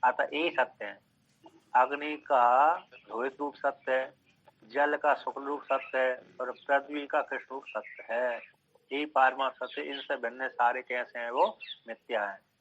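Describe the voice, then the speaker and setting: Speaking at an unhurried pace in a steady, mid-range voice with a touch of brightness, a man teaches scripture one step at a time. He keeps repeating phrases and checks comprehension with brief questions, all captured on a dull, lo-fi recording.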